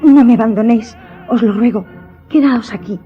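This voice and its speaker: A woman's voice: fairly high pitch, normal speed, close to an everyday voice. A woman acts out an anxious, superstitious countess of a radio play. She is imperious and insistent, with formal, theatrical phrasing. The recording is slightly dull, with faint music behind her. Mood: frightened, pleading. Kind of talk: radio drama acting.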